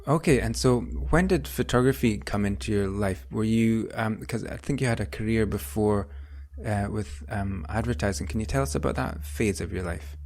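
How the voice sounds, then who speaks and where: A man's voice: fairly low pitch, moderate pace, a little mellow, dry recording. A man hosting a podcast, enthusiastic, with fillers and some hesitation. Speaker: podcast host. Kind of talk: podcast intro and interviewing.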